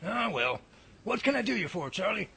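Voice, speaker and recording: Folksy professor , played by a man, easygoing Bigfoot researcher, gravelly and high-pitched, radio drama with music under. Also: very animated, normal speed, pushed and bright, full character voice. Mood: folksy, reassuring.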